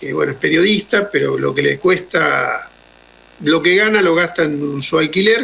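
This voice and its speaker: Noticeable background noise fills the clip. A man speaks at a fairly slow pace. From Argentina. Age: 50s. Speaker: interview guest. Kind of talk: radio interview. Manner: halting.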